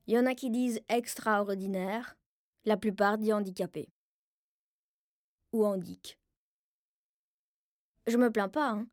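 A woman's voice: mid-range voice, a little mellow, no echo, studio quality. A woman voicing a wry, self-mocking disabled boy who tells his life casually in a radio drama monologue. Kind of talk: first-person radio fiction monologue, colloquial. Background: music.

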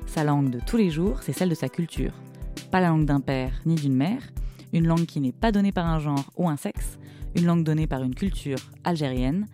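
A woman narrates in a calm, reflective tone with a mellow, warm voice. Soft music plays faintly beneath her. The delivery is steady and clearly scripted. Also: low-pitched. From partly Morocco. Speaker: podcast host.

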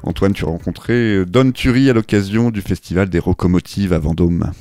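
A man hosting a radio show, briskly presenting the next segment. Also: deep voice, warm tone. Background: music.

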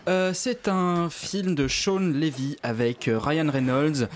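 A man's voice: fairly high pitch, takes it slowly. A man hosting a radio film show, making dry joking asides. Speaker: host. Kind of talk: casual chat.

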